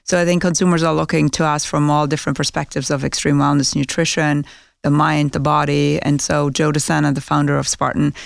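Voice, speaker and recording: Gravelly-voiced woman. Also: deep voice, little pitch movement, no echo, clean studio sound. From Germany. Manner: thoughtful, measured, with frequent um fillers. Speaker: guest, chief marketing officer. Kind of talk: podcast interview.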